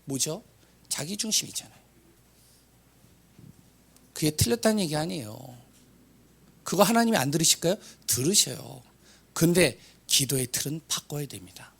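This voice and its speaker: A hoarse man preaching a sermon in a fairly high, forceful voice. He keeps asking the congregation rhetorical questions and swings between loud cries and hushed asides. Now and then he trips over his words. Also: lively intonation, normal speed, long pauses.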